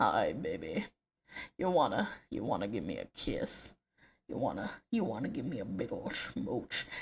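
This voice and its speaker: A man puts on a raspy character voice, pitched high and delivered at a moderate pace. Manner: sultry, playful.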